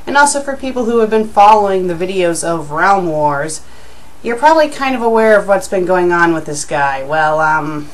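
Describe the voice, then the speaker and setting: A woman hosting a reading of fan fiction, with expressive, amused delivery and casual commentary. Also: lowish voice, moderate pace, poor audio.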